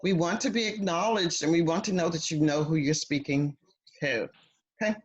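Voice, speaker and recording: A woman's voice: on the low side, normal speed. A woman teaching an English conversation class over a video call, patient and encouraging. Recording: dull lo-fi video call audio.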